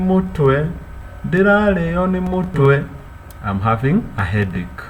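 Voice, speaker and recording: A man's high-pitched, very slow voice with lively intonation, noticeable background noise and audible room echo. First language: Kikuyu. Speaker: language teacher. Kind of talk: tutorial. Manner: slow, repeating each word.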